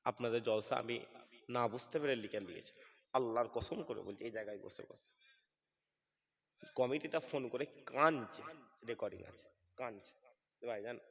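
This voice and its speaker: A man's voice: mid-range voice, normal speed, gravelly, long pauses, in a large hall. A man preaching a fiery sermon under a tent, calling out questions to the crowd. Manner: calls out to the audience, asks questions and shouts. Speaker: preacher at a religious gathering. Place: tented outdoor gathering.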